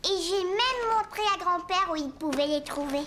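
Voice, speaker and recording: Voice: very high-pitched, expressive, normal speed, fairly bright tone, a little hiss or hum. An actor voicing a curious, cheerful four-year-old boy with simple, eager childlike speech in a children's cartoon. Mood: proud, excited. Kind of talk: dubbed children's cartoon dialogue.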